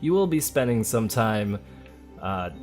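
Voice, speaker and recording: A man giving relaxed, chatty gameplay commentary as a let's play host, thinking aloud as he goes. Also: on the low side, a little slow. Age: adult, parent of a school-age child. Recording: game music behind the voice. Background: video game music.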